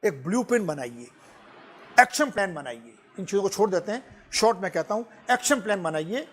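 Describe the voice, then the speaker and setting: A man giving an animated classroom lecture, mixing Hindi and English and often laughing as he explains. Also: high-pitched, brisk. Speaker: personality development teacher.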